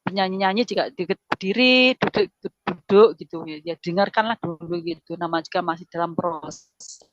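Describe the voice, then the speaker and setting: A woman's voice: on the low side, steady tone, fairly quick. A middle-aged woman giving an emotional personal testimony in casual storytelling, repeating herself and acting out dialogue. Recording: dull lo-fi sound.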